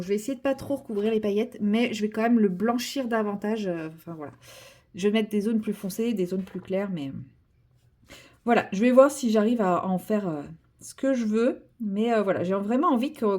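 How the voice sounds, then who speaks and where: A woman's voice: mid-range voice, darkish tone. A young woman chatting casually about her coloring project, rambling with many fillers and restarts and poking fun at herself. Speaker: coloring vlogger. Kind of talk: casual chat while coloring.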